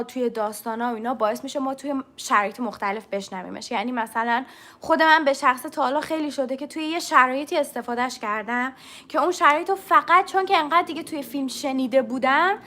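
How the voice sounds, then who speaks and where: Bright high-voiced woman teaching English. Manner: explains step by step and demonstrates sounds; answers viewers' chat questions. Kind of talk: live-streamed language lesson.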